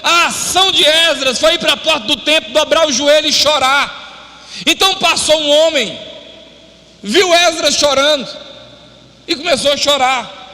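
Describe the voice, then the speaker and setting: Man, pastor, very high voice, bright tense tone, live church reverb. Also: normal speed. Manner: fervent preaching, shouting at climaxes; drops to a lower, quieter, chatty tone. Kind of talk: live sermon. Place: church hall.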